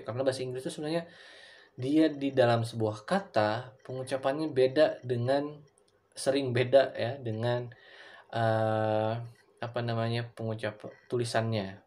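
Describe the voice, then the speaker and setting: A young Indonesian-accented man teaching in a relaxed, conversational way. He answers students' questions one by one, mixing English and Indonesian and filling pauses with "uh" and "apa namanya". His voice sits at an ordinary middle pitch for a man. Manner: switches between English and Indonesian, many fillers. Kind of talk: casual recorded lesson answering student questions.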